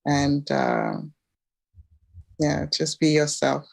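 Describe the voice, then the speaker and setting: Slow, low-voiced woman. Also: completely flat delivery, creaky. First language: French. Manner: gentle, hesitant, with many fillers. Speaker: guest elder. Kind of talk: online broadcast talk, offering blessings. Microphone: video call.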